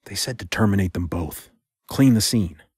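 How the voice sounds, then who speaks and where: Deep husky male spy played by an actor. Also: moderate pace, a little mellow, no echo, studio quality. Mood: wry, resolved. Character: male spy agent, protective, defiant, tender. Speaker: voice actor in an audio drama. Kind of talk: intimate spy audio drama acting.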